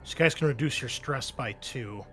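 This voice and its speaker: A man running a tabletop game, improvising narration in a halting way. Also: medium pitch, a bit bright, soft background music. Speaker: game master.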